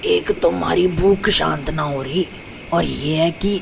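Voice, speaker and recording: A put-on character voice at a middle pitch moves at a moderate pace. Background noise is clearly heard. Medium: audio drama. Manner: rustic, commanding.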